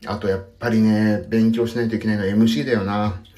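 A lowish, mellow man's voice speaks fast with a flat delivery. He's a pianist and audio podcaster chatting casually about his work while his feet soak in a foot bath, telling stories with self-mocking asides, recorded in an echoey bathroom.

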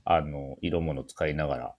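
A man's voice: very deep voice, fairly even intonation, moderate pace, muffled recording. A man hosting a casual radio-style talk, bantering and teasing his co-hosts. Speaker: show host, MC.

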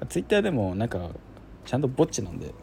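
Rambling man with a mellow voice. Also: medium pitch, sing-song, quick pace, vocal fry, faint music behind. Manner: rambling, self-deprecating, many fillers. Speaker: podcast host. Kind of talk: casual solo chat.

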